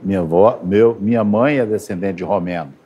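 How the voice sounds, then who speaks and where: A man's voice: fairly low pitch, fairly quick, warm tone, slightly rough, lo-fi sound. A middle-aged man from Ceará, a guest chef answering questions in a TV studio interview. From Ceará, Brazil. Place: TV studio, indoors.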